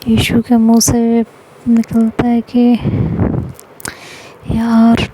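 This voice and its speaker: Woman narrating, gravelly and flat. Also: a little high, unhurried, noisy background. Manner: reads the characters' quoted lines in her own voice. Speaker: storyteller. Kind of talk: narrated audio story with character dialogue.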